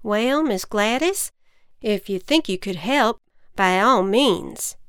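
A woman's voice: mid-range voice, lively intonation, slow, a bit bright, smooth, no echo, studio quality. A woman voicing a kindly, folksy farmer and father in a children's storybook. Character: kindly country farmer man, worried father.

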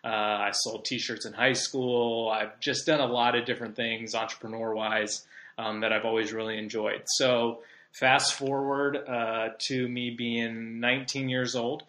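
Casual guy around 30 from socal rambling on his podcast, bright voice, roomy echo. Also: medium pitch. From Southern California. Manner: chatty, rambling with many fillers. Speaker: podcast host. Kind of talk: casual monologue.

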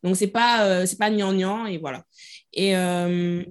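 A woman's voice: lowish voice, measured pace. A woman hosting a podcast, enthusiastic and chatty about the songs she loves. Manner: enthusiastic, animated, self-described fangirl. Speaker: podcast host. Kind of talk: casual chat.

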